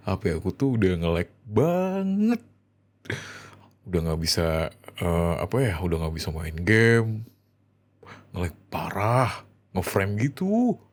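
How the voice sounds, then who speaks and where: A man with a fairly low voice plays a doting husband in an ASMR roleplay. His pitch moves around a lot as he speaks tenderly to his wife. The delivery is expressive and a little hesitant. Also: slow pace, long pauses. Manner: affectionate, hesitant, giggly, expressive acting. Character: affectionate, excitable young husband talking to his wife.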